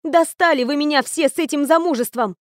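A woman's voice: high voice, a little fast, no room sound, clean studio sound, pitched above the performer's own voice, close to an everyday voice. A woman voicing an indignant young woman mage. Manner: loud, exasperated protest.

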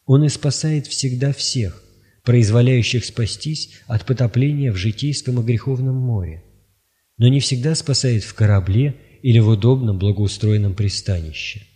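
A man reading spiritual writings aloud in a measured, solemn, even delivery. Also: mid-range voice. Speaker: audiobook reader.

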